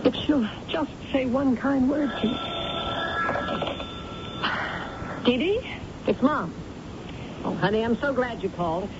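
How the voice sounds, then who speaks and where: An actress playing a domineering, wounded middle-aged businesswoman and mother with an American accent, brisk and emphatic in a radio drama. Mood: anxious, pleading. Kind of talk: 1970s radio drama acting. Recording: muffled, noisy, rumbly old radio broadcast recording.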